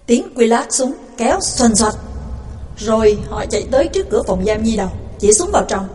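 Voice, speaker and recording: A woman narrating an audiobook story with vivid, expressive delivery. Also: fairly high pitch, moderate pace, slight background noise.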